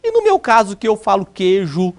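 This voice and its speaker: A woman's voice: medium pitch, very animated, normal speed, a little mellow. A woman voicing an anxious adult student teacher who pleads in confidence, with a Brazilian accent. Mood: pleading.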